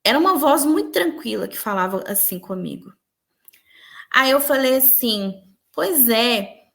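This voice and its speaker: Young woman, high-pitched and soft-spoken, giving an earnest personal testimony as an interview guest. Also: animated, measured pace, vocal fry. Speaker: interviewee recounting a spiritual experience.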